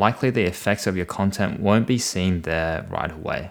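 Here is an ordinary speaking voice from a man. He talks at a fairly quick pace with ordinary pitch variation. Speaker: podcast host. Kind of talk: casual co-hosted podcast chat about marketing.

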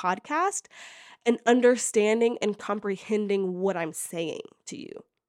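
A woman speaks in an animated tone, her intonation lively. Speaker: podcast host, nutritionist and weight loss coach. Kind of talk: casual monologue.

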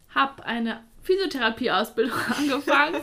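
A woman talks at a moderate speed while noticeable background noise fills the recording. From Freiburg, southwest Germany. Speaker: dancer and podcast co-host. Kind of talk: casual chat.

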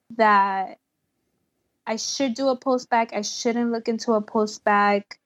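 Against a quiet background, a woman with a Spanish accent speaks at a fairly slow pace and a fairly high pitch, the sound dry and close with no echo. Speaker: pre-med student. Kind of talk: advice-seeking conversation. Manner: hesitant, filler-heavy.

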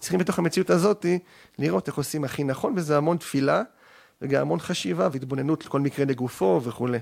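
Very fast speech with vocal fry and very wide pitch swings. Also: man, fairly high pitch for a man. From central Israel (Kochav Yair). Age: 40s. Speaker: religious school principal, rabbi. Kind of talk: podcast interview.

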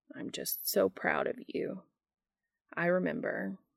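This is a put-on character voice. It sounds shaky and raspy. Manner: tender, affectionate.

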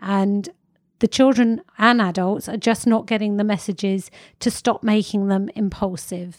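With an unremarkable speaking voice, a woman talks at a fairly slow pace and medium pitch with ordinary pitch variation, in a very clean recording with a silent background. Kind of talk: interview. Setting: home studio in a shed.

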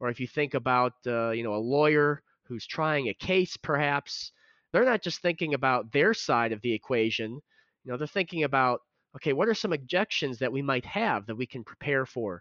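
An unremarkable speaking voice moves at a moderate pace with lively intonation, in a dry, close sound with no echo. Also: man, quiet background. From US Midwest, Chicago area. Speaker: day trader. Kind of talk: interview.

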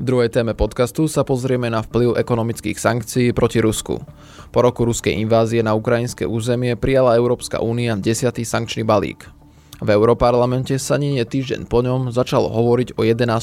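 Over music in the background, a man talks at a fairly quick pace in a medium pitch with fairly even intonation. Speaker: podcast host. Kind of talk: interview.

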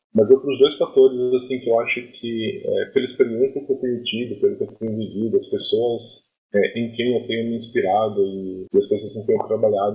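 A man at a moderate pace. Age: 30s. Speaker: software developer. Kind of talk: casual interview chat.

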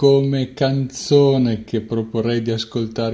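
In a dark, mellow tone, a man talks very slowly. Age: 60s. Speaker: physics professor and volunteer. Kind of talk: recorded personal account. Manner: halting, repeats words; enthusiastic, laughs.

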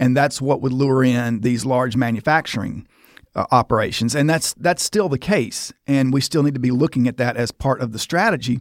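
A man with a Mississippi accent speaks at a medium pitch and moderate pace in a very clean recording with a silent background. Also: ordinary pitch variation. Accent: US Southern (Mississippi). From Mississippi (Tupelo). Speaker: marketing firm president. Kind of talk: interview.

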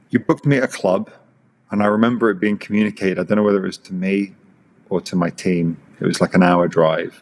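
A man's voice sits fairly low and shows ordinary pitch variation as he races along at a very fast pace. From England, Norwich; later Northern Ireland and Scotland. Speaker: electronic music producer and DJ. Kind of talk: casual chat.

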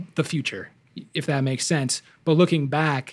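With an American accent, a man speaks at a moderate pace in a somewhat breathy, fairly high voice whose intonation stays fairly even. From Minnesota. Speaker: actor and film producer. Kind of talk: casual interview chat.

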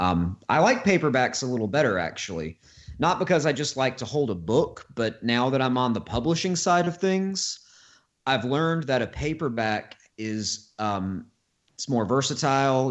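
With an Alabama accent, a man talks at a moderate pace and a medium pitch, his voice swinging very widely up and down. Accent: Southern US (Alabama). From Alabama, US South. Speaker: author and comic publisher. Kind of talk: casual chat. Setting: phone call.

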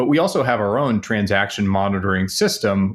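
A normal speaking voice from a man with an American accent, fairly low in pitch, at a fairly quick pace, on a very clean recording with a silent background. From US West Coast (San Francisco Bay Area). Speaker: startup founder and CEO. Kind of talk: casual interview.

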